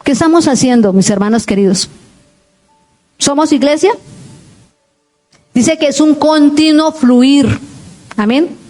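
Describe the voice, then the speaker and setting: Fervent high-voiced woman pastor. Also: unhurried, pauses often, dark tone, soft background music. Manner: fervent preaching with questions to the congregation and repeated amén. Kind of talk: sermon. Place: church.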